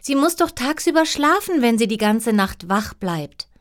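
Woman voicing a haughty, high-pitched young princess. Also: very animated, normal speed. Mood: icy, defiant. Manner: pert, cold, talking back. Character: haughty, icy young fairy-tale princess.

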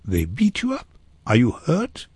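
A man voicing a caring, anxious woman in an audiobook, speaking with urgent, protective concern and clearly phrased questions. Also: medium pitch, huge pitch swings, measured pace, a little mellow, no echo, full character voice. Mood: soothing, concerned. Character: caring, anxious young woman comforting a distraught child.

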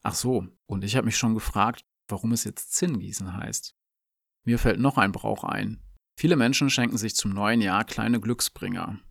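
Gravelly low man explaining calmly. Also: normal speed, no room sound, studio quality. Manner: calm, clear, explaining. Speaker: language lesson presenter. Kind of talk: scripted explanatory dialogue.

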